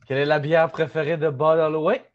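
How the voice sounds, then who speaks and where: A man's voice: a little high, flat delivery, fast, lo-fi sound. A man with a Quebec French accent, co-hosting a casual sports chat and cracking puns. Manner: joking, makes puns. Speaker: co-host.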